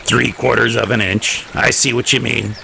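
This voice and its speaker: A man's voice: medium pitch, fairly even intonation, moderate pace, gravelly. A man acting as a folksy, cooperative sheriff in an audio drama, plain-spoken and easygoing. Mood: impressed. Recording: noisy ambience behind audio drama dialogue.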